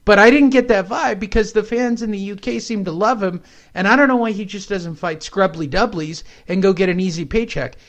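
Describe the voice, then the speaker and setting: A man talks with a slightly higher voice, hosting a casual show in a rambling, wisecracking way. He drifts from topic to topic and throws in jokes along the way. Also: brisk, hardly any pauses. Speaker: podcast host. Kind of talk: casual chat.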